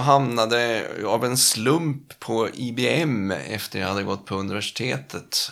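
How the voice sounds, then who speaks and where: Vocal fry colors a man's medium-pitched voice, which has ordinary pitch variation. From northern Sweden, Sundsvall. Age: 50s. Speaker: IT business-systems consultant. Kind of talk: casual interview. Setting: office.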